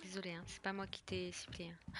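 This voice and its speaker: A woman's voice: lowish voice, little pitch movement, brisk. Young French woman gamer, slightly sick and congested, talkative, swears, noisy background. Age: 20s. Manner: chatty, swears a lot, loud outbursts. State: stuffy nose, a little sick. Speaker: gaming streamer. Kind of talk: casual let's play commentary.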